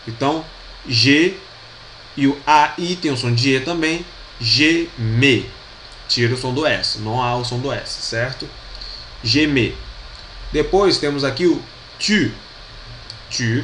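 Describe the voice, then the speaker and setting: Echoey room sound and a low hum accompany this French grammar video lesson by a man with a Brazilian Portuguese accent. His mid-range voice is fairly bright, and he patiently repeats pronunciations while regularly confirming students understand.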